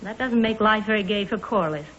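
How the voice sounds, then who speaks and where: A woman plays a calm, kind middle-aged mother who sounds soothing and polite. This is 1940s radio acting on a dull old recording. A faint hiss sits behind her. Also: medium pitch, brisk, natural voice. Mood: gentle.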